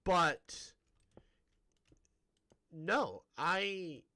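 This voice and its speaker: Talking very slowly in a high-pitched, animated, sharp-toned voice, a man from the Great Plains of the United States rambles casually as he streams a game. He has a Midwestern accent, is chatty, and often starts sentences over; there's no room sound.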